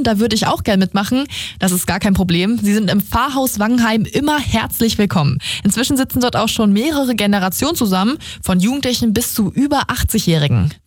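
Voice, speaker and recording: A woman radio reporter explaining a local story to the presenter in a friendly, clear way. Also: mid-range voice. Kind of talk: studio report chat. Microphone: studio microphone.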